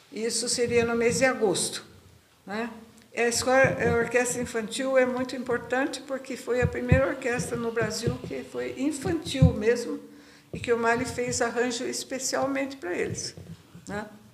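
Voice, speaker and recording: Audible room echo and noticeable background noise surround a woman whose fairly high pitch moves with ordinary variation. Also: moderate pace. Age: 80s+. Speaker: music school co-founder, interviewee. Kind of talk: press conference interview.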